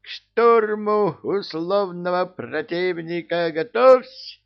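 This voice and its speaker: A man reading an audiobook voices a male king of a genie army, shouting battle orders. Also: high-pitched, takes it slowly, creaky, muffled recording, voice pushed up, heavily acted. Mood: rallying.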